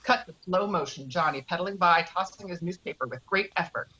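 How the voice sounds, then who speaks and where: A woman's voice: on the low side, a little fast, bright, forceful tone, lo-fi sound. A woman reading screenplay stage directions as the narrator of a table read.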